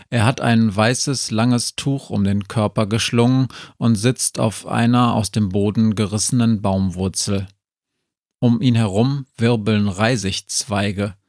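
A man narrating a fantasy storybook in a calm, unhurried way. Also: on the low side, no echo, clean studio sound. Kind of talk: storybook audiobook reading.

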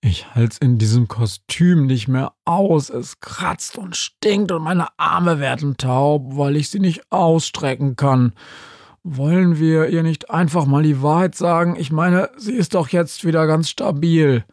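A man's voice: fairly high pitch, measured pace, a little mellow, dry recording, clean studio sound, pitched above the performer's own voice. A man doing a fed-up costumed creature. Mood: grumbling. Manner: grumbling, then pleading. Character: fed-up male creature in an itchy monster costume. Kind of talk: audiobook character voice.

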